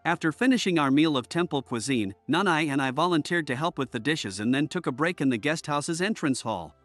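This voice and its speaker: A man narrating a first-person story in a steady, even storytelling manner. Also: a little high, brisk, no echo. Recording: soft music bed under voice.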